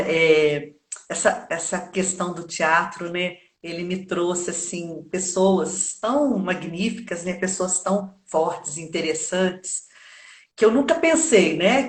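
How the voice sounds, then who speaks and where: A woman who coaches actors' voices for theatre, talking reflectively in a casual interview and often pausing on tag questions. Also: on the low side, echoey room. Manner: reflective, thinks aloud with frequent tag questions. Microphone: video call.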